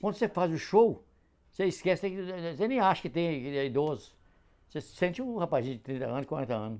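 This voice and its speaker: This man talks very fast at a fairly high pitch, with very wide pitch swings. His speech is broken by long, frequent pauses. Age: 70s. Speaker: elderly bicycle stunt performer. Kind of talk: interview.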